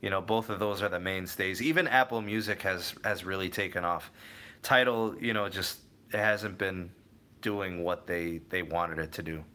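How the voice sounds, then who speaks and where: Young male livestream host, slightly low, bright tone; relaxed, meandering, talks straight to his chat. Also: normal speed. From Cleveland area, USA. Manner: rambling, self-correcting, answers viewers by name. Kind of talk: casual live chat reading viewer comments.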